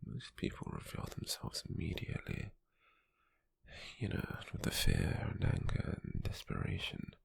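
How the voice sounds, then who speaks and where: A British man playing a possessive, calculating, smug slave merchant in a hushed ASMR roleplay, with a husky, breathy, gravelly voice and a slow, deliberate delivery. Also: dry recording, natural voice. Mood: curious, menacing. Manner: slow, deliberate, with lingering pauses.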